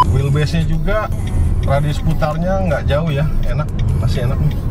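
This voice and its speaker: Loud background noise under a man at a moderate pace. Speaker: car reviewer host. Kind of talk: commentary. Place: car. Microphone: lapel.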